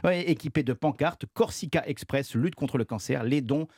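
A man presenting a good-news segment on a radio show, jokey and quick to laugh at his own puns. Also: medium pitch, darkish tone, breathy edge, no echo, studio quality. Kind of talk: playful radio chat segment.

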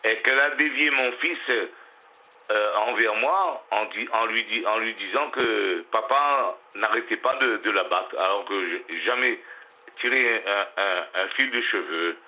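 Man, Réunionese accent, hoarse, low voice, tinny phone line, informal and rambling. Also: unhurried. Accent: Réunionese French. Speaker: caller. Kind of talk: radio call-in.

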